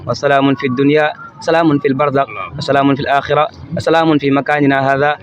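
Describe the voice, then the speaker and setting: A man's voice: medium pitch, level tone, quick pace, a little hiss or hum. A man leading an Islamic supplication, reciting formulaic parallel phrases in a rhythmic litany. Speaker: prayer leader. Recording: dull lo-fi recording.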